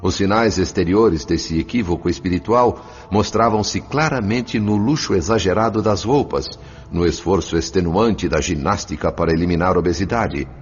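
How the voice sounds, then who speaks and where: A man narrating a dramatized audiobook in a formal, measured, literary manner. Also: deep voice. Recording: muffled, long reverb, music underneath.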